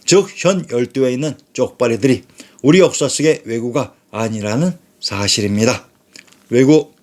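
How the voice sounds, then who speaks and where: Male narrator, mid-pitched, even lecturing read of history sources. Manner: steady lecturing delivery, reading quotations aloud. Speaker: channel narrator. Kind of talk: scripted narration reading from sources.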